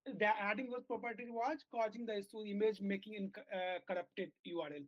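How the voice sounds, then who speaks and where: A man who is a software engineer, walking his team through a bug in a work meeting on a video call, with halting speech full of fillers and restarts. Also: high-pitched, fairly even intonation, no room sound. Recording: dull lo-fi call audio.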